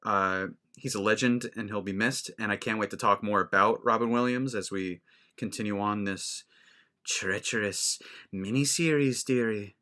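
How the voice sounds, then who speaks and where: A man's voice: fairly low pitch, fairly even intonation, normal speed, pushed and bright. A man hosting a casual film podcast, talking in a rambling way with many restarts. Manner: rambling, restarts a lot, laughs often. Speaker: podcast host.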